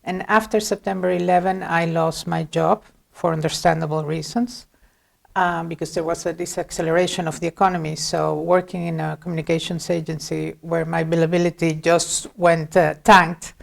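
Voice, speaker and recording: A woman's voice: lowish voice, level tone, normal speed, creaky. A middle-aged woman from Venezuela, a guest in an interview, giving long reflective answers with frequent hesitations. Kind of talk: conversational interview.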